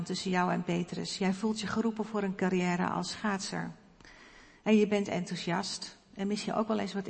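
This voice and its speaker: A woman preacher giving a reflective, personal sermon in a church, pausing now and then with hesitant fillers. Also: lowish voice, vocal fry. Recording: long church reverb.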